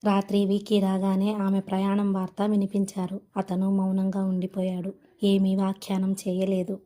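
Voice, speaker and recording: A woman narrating a novel aloud in a steady, even storytelling manner. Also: medium pitch, moderate pace. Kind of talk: audiobook novel reading.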